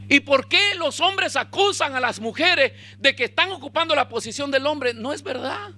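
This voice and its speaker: Animated high-voiced preacher, bright tone. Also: male voice. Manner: animated preaching, shouting in peaks, acting out dialogue. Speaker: pastor. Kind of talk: sermon.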